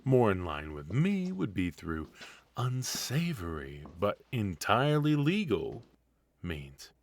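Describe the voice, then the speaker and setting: Man playing a deep-voiced theatrical retired supervillain husband. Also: huge pitch swings, slow, exaggerated voice. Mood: wry, self-justifying. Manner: theatrical, drawling, mock-sinister. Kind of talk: comedic ASMR roleplay.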